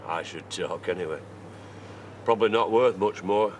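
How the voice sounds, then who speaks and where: An actor with a Yorkshire accent playing a weary, bitter older father who speaks bluntly and gruffly. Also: sits low, moderate pace, slight background noise, natural voice. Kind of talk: TV soap drama acting.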